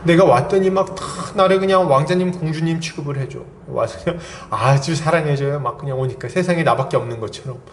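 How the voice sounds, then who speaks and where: A male pastor preaching an expository sermon, animated and acting out little dialogues. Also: on the high side, fast, hardly any pauses, a little hiss or hum. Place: church sanctuary. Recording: echoey church hall.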